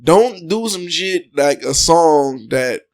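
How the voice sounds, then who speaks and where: A man telling stories in a casual podcast chat, animated and heavy on profanity. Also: on the high side, slow pace.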